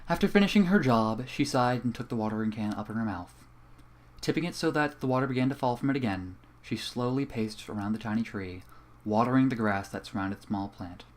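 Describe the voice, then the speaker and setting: A young man reading a fan story aloud in a calm, even way at a home microphone. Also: medium pitch, fairly quick. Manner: casual and profane in the intro, then calm and even while reading. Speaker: fanfiction reader. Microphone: home computer microphone.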